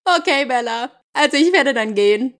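A woman's voice: sits high, animated, moderate pace. A woman voicing a guilty, apologetic young man while reading a novel aloud. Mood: sheepish. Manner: sheepish, quiet.

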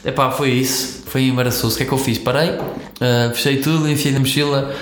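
A young man with a European Portuguese accent chats casually on a podcast, his speech rambling and full of stumbles. His voice is of middle pitch and rings in a roomy, echoey space. A faint hiss sits under the recording. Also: fairly even intonation, a little fast. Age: young adult. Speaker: podcast co-host. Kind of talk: casual chat.

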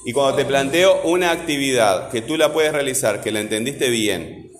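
Male teacher, firm and insistent, mid pitch, echoey classroom recording. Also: normal speed, slight background noise. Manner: firm, insistent, tags sentences with "¿verdad?". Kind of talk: classroom teaching and scolding a student. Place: school classroom.

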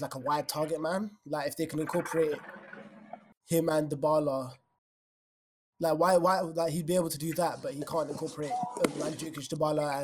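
A man's voice: on the high side, noisy background. A young man with a London accent, hosting a casual football chat. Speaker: podcast host.

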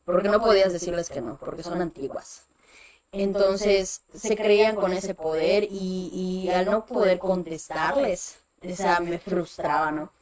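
A woman's voice: fairly low pitch, unhurried. Chatty Mexican woman telling stories. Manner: chatty, animated, many fillers like "este". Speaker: guest. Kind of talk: casual storytelling chat.

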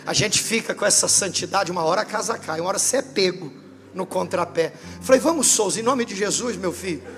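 A man's voice: high-pitched, fairly quick, slight background noise. A Brazilian man preaching a sermon as pastor, telling funny stories and acting out the dialogue. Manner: lively humorous storytelling, acting out dialogue. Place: church service.

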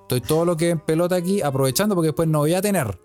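A man's voice: a little high, rapid-fire, a little mellow, faint music behind. A man with a Chilean Spanish accent co-hosting a casual chat, joking, laughing often and using a lot of slang. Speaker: podcast co-host.

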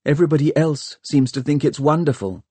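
A man's voice: on the high side, expressive, brisk, mellow, slightly rough, no echo, pitched above the performer's own voice. A man voicing an impassioned young woman. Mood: bitter. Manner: urgent, impassioned. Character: earnest, indignant young woman.

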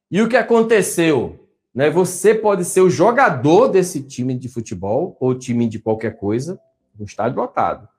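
Animated Brazilian man coaching listeners. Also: on the high side. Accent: Brazilian Portuguese. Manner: animated, coaxing, asks listeners to answer. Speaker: motivational coach. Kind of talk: motivational talk to a live audience.

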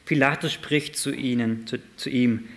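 A man preaching a sermon, reading Bible verses aloud and asking lively rhetorical questions, moving between loud and soft passages. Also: mid-range voice, moderate pace.

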